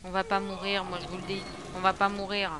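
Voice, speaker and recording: A young woman from France playing a horror game and commenting casually, chatty and excitable, swinging from shrieks to low mutters. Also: fast, noisy background. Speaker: gaming streamer. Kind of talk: casual let's-play commentary.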